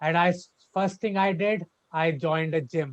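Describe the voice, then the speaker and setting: With a dry, close sound and no echo, a man speaks fairly slowly in a high voice with fairly even intonation. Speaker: toastmasters club speaker. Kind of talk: prepared speech. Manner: halting, with repetitions.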